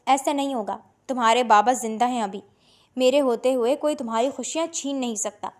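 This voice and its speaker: A stern middle-aged father, acted by a woman reader in a storybook drama. He pleads helplessly one moment and growls with biting sarcasm the next, in a high voice. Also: lightly acted. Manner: pleading then harsh, sarcastic.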